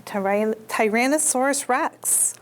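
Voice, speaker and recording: A woman's voice: fairly high pitch, measured pace, a little hiss or hum. A woman hosting a children's storytime as a librarian, reading picture books aloud in simple child-directed talk and putting questions to her little listeners.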